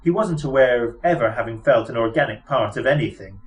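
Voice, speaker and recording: A man's voice: mid-range voice, expressive, brisk. A man reading a novel aloud as scripted storybook narration. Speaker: audiobook narrator.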